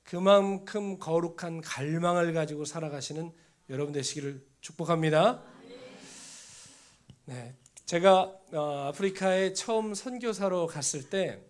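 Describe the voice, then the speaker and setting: A male pastor in his thirties preaching a sermon, telling a personal story and sometimes dropping to a hushed near-whisper. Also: on the high side. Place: church sanctuary.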